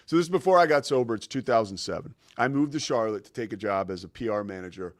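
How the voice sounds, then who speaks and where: A man's voice: lowish voice, expressive, fast, no room sound. Man, forties, show host, casual storytelling, rambling, restarts, dry studio sound. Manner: rambling, many fillers and restarts.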